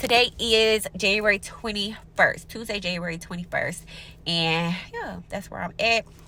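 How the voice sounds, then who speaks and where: A woman at a medium pitch and fairly slow pace, with big swings in loudness and noticeable background noise. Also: ordinary pitch variation. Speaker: vlogger. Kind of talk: casual vlog.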